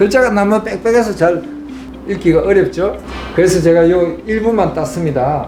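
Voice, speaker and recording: A man at a fairly slow pace, with music in the background and audible room echo. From South Korea, rural. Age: 70s. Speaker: author and lecturer. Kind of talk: lecture to middle school students. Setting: school lecture with student audience. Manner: halting, with restarts.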